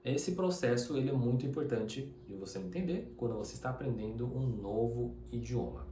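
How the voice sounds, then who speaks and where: A man who grew up in Taiwan, with Mandarin as his first language, teaches a relaxed lesson to camera. He talks conversationally and keeps checking in with his listener. His voice sits at a mid pitch, and the room around him is echoey with a faint hiss underneath. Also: a little fast. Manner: conversational, uses many tag questions. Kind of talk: casual spoken lesson to camera.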